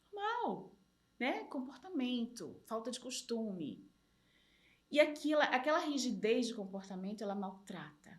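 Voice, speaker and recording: Moving at a fairly slow pace, a woman with a high pitch makes very wide pitch swings and big swings in loudness. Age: 40s. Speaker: journalist. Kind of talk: interview answer.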